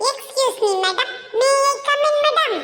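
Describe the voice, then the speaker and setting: A squeaky, cartoonish character voice at a fairly quick pace, with music in the background. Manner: formal, courteous, mixes English phrases.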